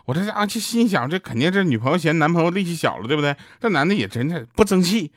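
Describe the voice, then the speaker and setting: A man from Northeast China with a Northeastern Mandarin accent, casually telling comic stories. He chats, laughs at his own jokes and gets loud at the punchlines. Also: a little high, sing-song, quick pace, no room sound, clean studio sound.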